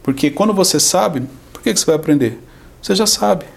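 A man's voice: high voice, lively intonation, brisk, vocal fry. A Brazilian man on a podcast, teaching in a conversational way, explaining with everyday examples and acting out quotes. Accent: Brazilian Portuguese. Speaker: podcast guest.

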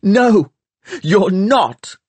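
A male audiobook reader voicing an earnest, desperate teenage boy, shouting and pleading. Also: sits high, expressive, drawn-out words, breathy edge, no echo, voice pushed up, full character voice. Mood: pleading, angry.

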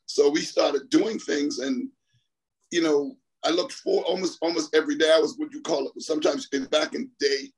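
A man's voice: on the high side, fairly even intonation, normal speed, vocal fry, breathy edge, rough recording. A middle-aged man from the Bahamas, a track coach, telling his story in a rambling way over the phone, repeating himself and laughing often. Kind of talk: storytelling interview on a call.

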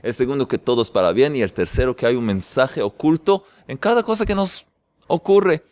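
A man's voice: mid-range voice, lively intonation, fairly quick, darkish tone, dry recording. A man hosting an online faith workshop, teaching in a playful, joking way and greeting his viewers. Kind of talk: jokey faith lesson to an online audience.

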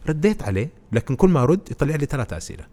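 A man, a podcast guest who explains presenting skills through animated stories in casual conversation. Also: on the high side, very fast. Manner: animated storytelling, explains with anecdotes.

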